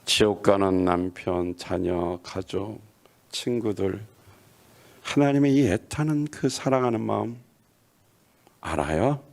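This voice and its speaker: A man's voice: fairly low pitch, slow pace, gravelly, pauses often, darkish tone. A middle-aged male pastor preaching a sermon, acting out quoted lines and asking questions of the congregation.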